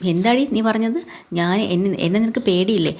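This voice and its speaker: A woman's voice: mid-range voice, fairly quick, a little mellow, natural voice. A woman voicing a hot-headed young husband who blusters and threatens. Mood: threatening.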